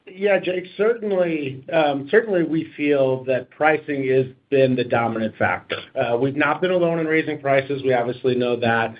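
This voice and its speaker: A man with a mid-pitched voice speaks as a company executive on an investor call. His delivery is measured and corporate, and the audio is dull and slightly lo-fi. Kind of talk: prepared remarks and corporate question answering.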